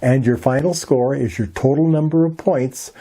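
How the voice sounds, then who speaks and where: A man reading a scripted explainer in a measured, instructional manner. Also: mid-range voice, warm tone. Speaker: presenter of an amateur radio tutorial.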